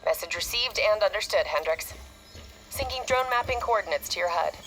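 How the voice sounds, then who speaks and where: An actress playing a calm, analytical female intelligence operative in a video game, giving measured, clipped technical reports. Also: medium pitch, soft background music, close to an everyday voice. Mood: level. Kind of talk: video game cutscene acting.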